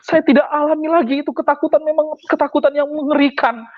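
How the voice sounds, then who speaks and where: A young man with a notably high voice tells his personal conversion testimony with emphasis, circling back to repeat key phrases. The sound is dull and lo-fi, with a close, dry feel and no room echo. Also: steady tone, quick pace. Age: young adult. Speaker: testimony speaker.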